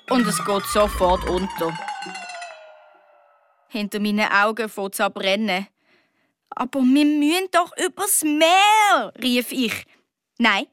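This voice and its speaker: Unhurried Swiss German woman reading a story. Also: mid-range voice, fairly bright tone, no echo, studio quality. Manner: earnest, childlike storytelling. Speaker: audiobook narrator. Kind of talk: first-person children's story narration as a young girl.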